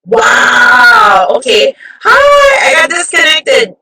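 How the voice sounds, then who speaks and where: A woman from Hawaii hosting a chatty live interview, bubbly and quick to laugh, on her phone. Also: high voice, wildly swooping pitch, bright, forceful tone, raised voice. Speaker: show host. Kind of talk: casual live-stream interview. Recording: distant phone mic.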